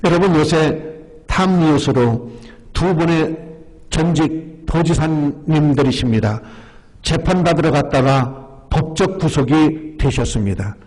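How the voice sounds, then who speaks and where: A man's voice: fairly high pitch, measured pace, darkish tone. A male pastor preaching a sermon, emphatic and repeatedly calling out to the congregation. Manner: emphatic, often addresses the congregation. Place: church sanctuary. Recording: long church-hall reverb.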